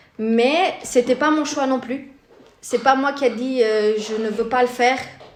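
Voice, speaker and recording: A woman speaks at a fairly slow pace with a high pitch. Her intonation stays fairly even. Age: 20s. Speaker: stay-at-home mother. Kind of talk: casual interview chat. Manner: hesitant, many fillers.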